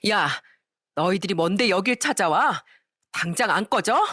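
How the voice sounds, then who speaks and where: Woman playing a sharp-tongued sister-in-law telling people off, dry close sound. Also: mid-range voice, lively intonation, moderate pace, breathy edge, no echo. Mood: scornful. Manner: scolding, scornful. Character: fierce grown sister-in-law, scornful and protective.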